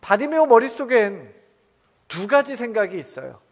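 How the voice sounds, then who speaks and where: A male pastor preaching a Sunday sermon from the pulpit, asking the congregation questions and swinging between soft and loud. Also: very high-pitched, big pitch swings, normal speed. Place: church sanctuary. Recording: long reverb of a church hall.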